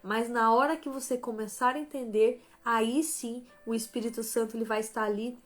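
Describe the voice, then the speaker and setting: A woman with a somewhat high-pitched voice teaches her viewers on a live stream, with a motivational Christian tone. She moves between gentle and firmer emphasis and keeps checking in with quick "tá?" and "né?" tags. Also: steady tone. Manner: tags most phrases with "né?" and "tá?"; shifts between softer and stronger emphasis. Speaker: live stream host and author.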